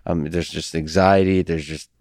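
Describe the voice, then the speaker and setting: A man with Russian as his first language, hosting a podcast in a soft-spoken, halting way with many restarts. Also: extremely low pitch, steady tone, no room sound, clean studio sound. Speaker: podcast host. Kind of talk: casual conversation.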